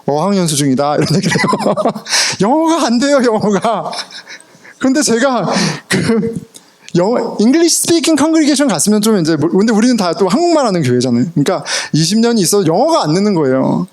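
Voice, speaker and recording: A man's voice: high-pitched, brisk. A middle-aged man preaching a sermon as pastor, telling personal stories with laughter and English words mixed in. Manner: animated storytelling, laughs often, mixes in English words. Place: church sanctuary.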